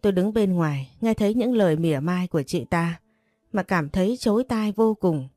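A woman calmly narrating a first-person story. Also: lowish voice, moderate pace, no room sound, faint music behind. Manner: calm first-person telling.

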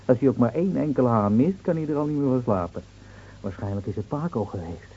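An actor playing a hot-tempered, sarcastic village gendarme who complains in a radio play. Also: male voice, medium pitch, lively intonation, fast, dark tone, a little hiss or hum, lightly acted. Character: grumbling, hot-tempered village gendarme, sour about his transfer. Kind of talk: Dutch radio play acting. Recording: dull, muffled old radio recording.

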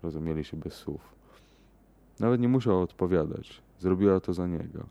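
A man reading a horror story aloud and hosting the podcast, measured in his delivery. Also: deep voice, vocal fry, mellow, no room sound. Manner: measured, hesitant in the outro with fillers. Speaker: podcast host and reader.

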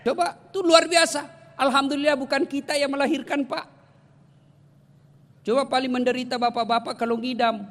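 Male preacher, high voice, comic storyteller who talks straight to the crowd, long echo of a big hall. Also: moderate pace, long pauses. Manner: jokey, animated storytelling, addresses the audience directly. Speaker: Islamic preacher. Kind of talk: humorous sermon to a congregation.

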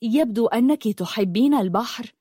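A woman voicing a kind young woman who asks gentle questions. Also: on the high side, moderate pace, breathy edge, no echo, clean studio sound.

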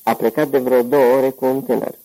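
A man's voice: mid-range voice, little pitch movement, no room sound, pitched above the performer's own voice, close to an everyday voice, poor audio. A man voicing a curt, stern housekeeper woman behind a door in an audiobook, raising his voice to play her. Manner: curt and sharp.

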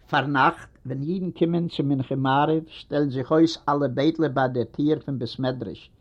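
Man reading a story, muffled audio. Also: on the high side. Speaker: narrator. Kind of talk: literary reading aloud. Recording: dull lo-fi recording.

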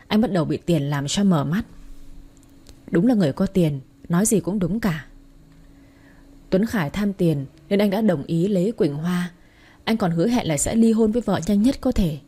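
A woman's voice: medium pitch, normal speed, husky. A woman narrating a family drama story, telling it steadily and with feeling. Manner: steady, emotional first-person telling.

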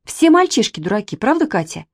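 A woman voicing Manya, a chatty, stubborn little girl who talks in high, eager bursts and fires off questions. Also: sing-song, a little fast, dry recording, clean studio sound. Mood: indignant.

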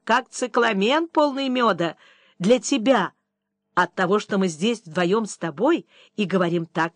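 A woman reading an audiobook voices a young Austrian woman speaking to her lover in a warm, effusive, tender way. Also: medium pitch, no room sound, clean studio sound.

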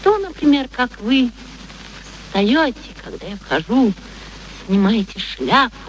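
A woman's voice: fairly high pitch, very animated, slow, low-quality recording. An actress playing a proud young former street girl turned lady, speaking with mannered, pointed politeness in a radio play. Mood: earnest, dignified. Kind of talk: theatrical radio play acting. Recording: faint background noise, archive radio recording.

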